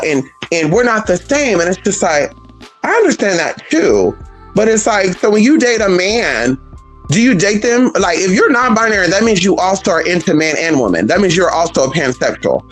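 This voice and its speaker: A trans woman vlogging a blunt, profane, sassy rant in an emphatic, animated way. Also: on the low side, poor audio. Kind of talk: casual vlog rant.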